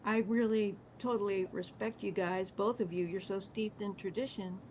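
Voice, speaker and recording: Woman guest, admiring and a little halting, mid pitch, faint hiss. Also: steady tone. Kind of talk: casual roundtable chat.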